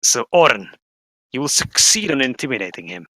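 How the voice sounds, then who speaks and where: A man's voice: medium pitch, very animated, fairly quick, bright, forceful tone, dry recording, low-quality recording. A man narrating a tabletop role-playing game as game master, switching between formal narration and casual asides.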